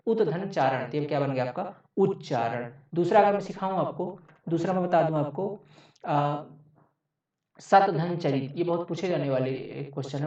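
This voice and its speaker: A man's voice: a little high, a little mellow. Male tutor, exam-prep lecture, repeats every point and checks in constantly; far from the mic, dull and muffled sound. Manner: repeats each point, checks with frequent "okay". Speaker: teacher. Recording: echoey, distant, dull mic.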